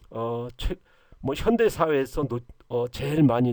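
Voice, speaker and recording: At a moderate pace, the speech has a dark, mellow tone. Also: man. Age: 60s. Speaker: farmer. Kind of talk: casual talk to camera. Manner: halting, many fillers.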